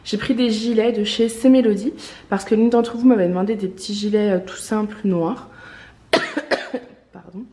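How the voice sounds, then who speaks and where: A woman with a congested, stuffed-up voice from a lingering cough, talking chattily to her viewers about outfits she tries on. Her pitch sits in an ordinary middle range, and she speaks with plenty of fillers and gushing praise. The sound carries a noticeable room echo. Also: steady tone, moderate pace, long pauses, warm tone. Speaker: online clothing shop owner. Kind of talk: casual try-on haul vlog. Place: indoors, in front of a mirror.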